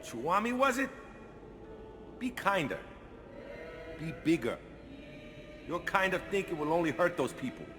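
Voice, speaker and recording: A brusque, protective villager in a radio drama. His voice sits fairly high and swings animatedly, informal and defensive, over a music bed. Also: big pitch swings, a little slow, long pauses.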